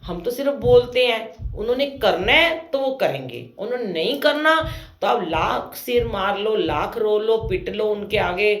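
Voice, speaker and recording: A woman in her fifties tells a devotional story about her life in with a lilt. She chats along with plenty of fillers and acts out what her family said. Her voice sits at a middle pitch, and the room adds a noticeable echo. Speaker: satsang storyteller. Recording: roomy echo.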